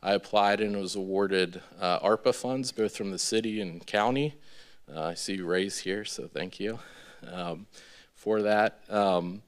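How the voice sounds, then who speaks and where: A man in his thirties giving an informal presentation as a developer, in a halting, hesitant way with many ums. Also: on the low side, clean tone. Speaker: real estate developer presenting a project. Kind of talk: informal public presentation with slides. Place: large indoor meeting room with seated audience. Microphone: podium gooseneck microphone.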